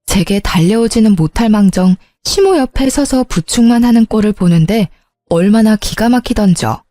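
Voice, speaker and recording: A woman's voice: medium pitch, animated, normal speed, warm tone, dry recording. A young woman narrating her own story, telling it in a plain, indignant first-person way.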